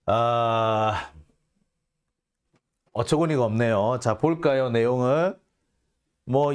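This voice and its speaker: A man's voice: fairly high pitch, a little mellow, clear, resonant tone. A male host giving casual commentary on a news report, sarcastic and indignant, firing off mocking rhetorical questions.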